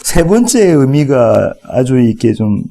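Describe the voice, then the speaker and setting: A man from South Korea, a pastor giving an expository sermon in a relaxed, conversational way with touches of humor. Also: medium pitch, unhurried, gravelly.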